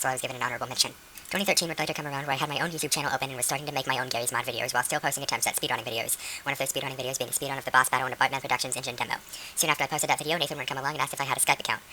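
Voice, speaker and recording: Woman rattling off a document super fast, really low voice, bright tone. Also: steady tone, slight background noise, rough recording. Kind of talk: reading a document aloud.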